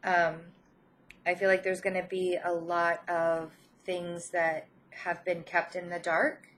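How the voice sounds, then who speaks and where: A woman with a head cold gives an informal spiritual card reading to her viewers as channel host, speaking gently and encouragingly with hesitant pauses mid-phrase. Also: on the low side, monotone, a little hiss or hum.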